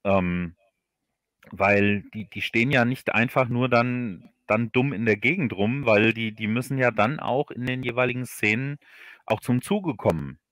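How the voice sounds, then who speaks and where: A man in an unscripted interview, speaking haltingly and often repeating words as he looks for phrasing. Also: medium pitch, a bit bright, dry recording, studio quality. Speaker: author being interviewed on a livestream.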